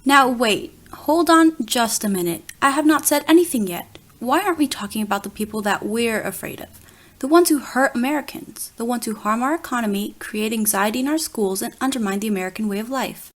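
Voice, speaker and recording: Woman as a grandstanding, higher-voiced senator. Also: lively intonation, fairly quick. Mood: indignant. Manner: emphatic, oratorical, slogan-like delivery. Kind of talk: staged reader's theater political satire.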